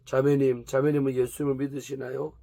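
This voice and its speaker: A man's voice: medium pitch, flat delivery, fairly quick, gravelly, mellow, no room sound, close to an everyday voice. A man reading as a probing pastor's wife. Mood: gentle. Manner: questioning, pointed. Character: probing, calm pastor's wife counseling a woman. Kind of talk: reading a story aloud.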